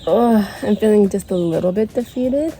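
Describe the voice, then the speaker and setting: A woman's voice: mid-range voice, lively intonation, normal speed, dark tone, faint music behind, poor audio. A woman vlogging candidly about her freediving course, sounding congested and thinking aloud as she reflects. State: congested, stuffy. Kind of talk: candid vlog to camera.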